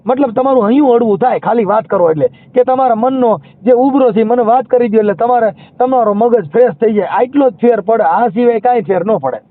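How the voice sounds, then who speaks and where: A man's voice: extremely high pitch, fairly quick, few pauses, dry recording. A man talking as a social worker taking a call, in a phone conversation. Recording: narrow, muffled phone-call line.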